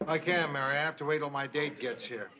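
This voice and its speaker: An actor playing a gruff, blunt, middle-aged male news boss. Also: on the high side, quick pace, natural voice. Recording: dull, very noisy old TV audio.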